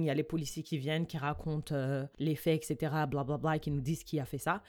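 Low-voiced woman chatting in two languages. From West African family. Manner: animated, switches between French and English mid-sentence. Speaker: podcast co-host. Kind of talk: casual chat mixing French and English.

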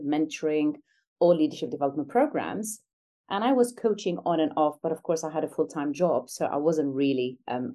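Low, mellow middle-aged woman from Algeria. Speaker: interview guest, executive coach. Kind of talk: reflective conversational interview.

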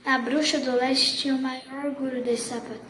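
A woman voicing timid little munchkin men, reading quietly with small halts, in an echoey room with background noise. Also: high voice, fairly even intonation, moderate pace, distant mic. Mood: serious.

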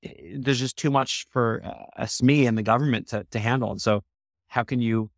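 A man in his thirties, a startup co-founder, answering interview questions quickly and animatedly, with many restarts. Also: mid-range voice, steady tone, dry recording, studio quality. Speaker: startup co-founder, podcast guest.

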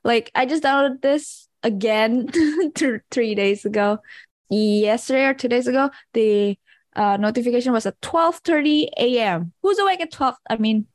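A woman's voice: on the high side, normal speed, dry recording, studio quality. A young woman with an Indonesian accent, explaining eagerly in casual chat with friends, breaking into laughs.

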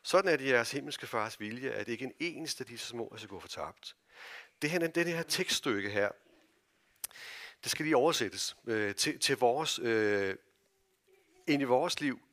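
A Danish man preaches in a church with an average-pitched voice. He talks earnestly and a little haltingly, with fillers and restarts. His volume swings from soft, hushed phrases to loud calls to the congregation. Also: expressive. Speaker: pastor. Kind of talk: sermon.

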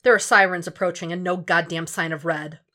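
A woman's voice: lowish voice, steady tone, fairly quick, sharp tone. A woman reading scripted fiction aloud as an audiobook narrator, in a dramatic storytelling style.

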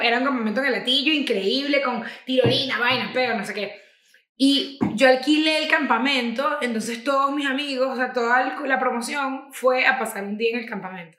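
A young woman with a Venezuelan accent telling slangy stories in casual podcast chat, acting out quotes as she goes. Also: high voice. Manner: lively storytelling, acts out quotes, slangy. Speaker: podcast co-host. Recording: roomy echo.

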